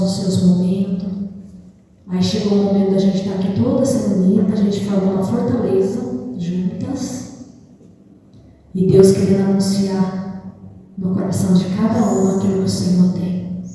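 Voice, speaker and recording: A woman's voice: medium pitch, dark tone. A woman evangelist with a Brazilian Portuguese accent, preaching a sermon at an intercession meeting in a conversational way and often calling out to her listeners. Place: church hall. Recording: distant voice in an echoey hall.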